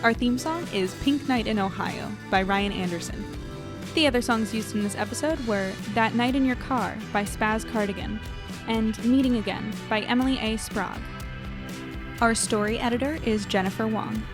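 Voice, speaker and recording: A woman's voice: fairly high pitch, moderate pace, music in the background. A woman hosting a podcast, reading scripted credits as its creator.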